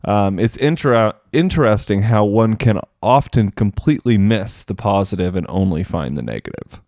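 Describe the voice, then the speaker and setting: A man's voice: lowish voice, animated, moderate pace, darkish tone, dry recording. Guy who works in mental health chatting on a podcast, candid and self-deprecating, lots of ums, dry close sound. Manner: candid, self-deprecating, thinks aloud with fillers. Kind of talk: casual podcast conversation.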